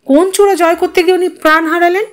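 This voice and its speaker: A woman voicing a brisk, pushy male television reporter who questions with professional insistence in an audio story. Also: very high voice, fairly even intonation, pitched above the performer's own voice. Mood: probing, insistent.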